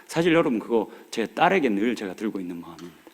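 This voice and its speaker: A man's voice: lowish voice, sing-song, fast. Earnest male pastor preaching in a reverberant church hall. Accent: Korean regional dialect. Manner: earnest, pleading exhortation with rising urgency. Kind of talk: sermon. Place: church sanctuary.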